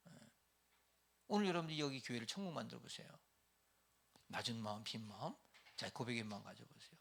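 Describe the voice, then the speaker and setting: A middle-aged man pastor preaching a lively sermon to church leaders, acting out everyday quarrels in raised voices. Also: medium pitch, vocal fry, slightly rough.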